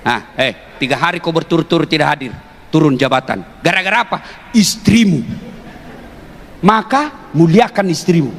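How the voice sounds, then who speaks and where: A man preaching a humorous sermon to an audience, joking and teasing, with bursts of shouting. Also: fairly high pitch, moderate pace. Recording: reverberant hall with faint noise.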